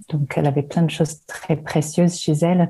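A somewhat breathy voice with a dark, mellow tone delivers its words in monotone, flat intonation. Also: woman. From Western Australia. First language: English (speaking French). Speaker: ceramic artist. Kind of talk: interview. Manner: halting, many repetitions.

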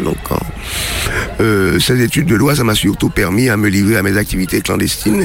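Amid noticeable background noise, a man with a fairly low pitch and ordinary pitch variation speaks at a very fast pace. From Haiti (Port-au-Prince). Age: 60s. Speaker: poet. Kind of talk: interview. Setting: outdoors.

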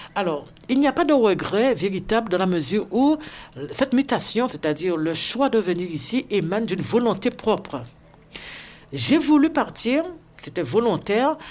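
Her voice sits at a fairly high pitch and moves at a moderate pace. This woman's speech has very wide pitch swings. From Guadeloupe (Pointe-à-Pitre). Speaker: school administrator. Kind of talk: interview.

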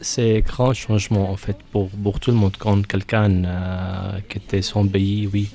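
At a very slow pace and with hardly any pauses, a man speaks in an Arabic accent with a fairly low pitch. His intonation is monotone and flat, and there is noticeable background noise. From Syria. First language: Arabic (speaking French). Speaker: cellist. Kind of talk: interview. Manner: halting.

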